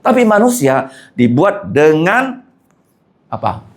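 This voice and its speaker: Animated pastor teaching a class. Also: male voice, a little high, slow. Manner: lively, asks the class questions and answers them.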